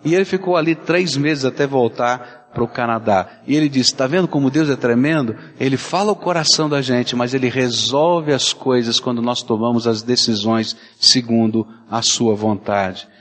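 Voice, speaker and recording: A man's voice: mid-range voice, moderate pace, long reverb tail. A Brazilian man preaching a sermon as a pastor, telling stories and acting out the people in them. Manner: animated storytelling, acting out quoted voices.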